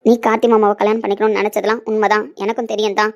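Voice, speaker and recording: A woman's voice: mid-range voice, flat delivery, rapid-fire, natural voice. A woman playing a desperate middle-aged mother who pleads with and scolds her daughter in an emotional family drama. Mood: scolding. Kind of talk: Tamil web-series acting.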